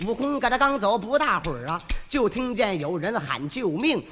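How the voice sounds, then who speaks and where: Lively rhythmic rhymed storyteller. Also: mid-range voice, normal speed, long reverb tail, music in the background. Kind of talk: rhymed traditional Chinese storytelling with sung phrases.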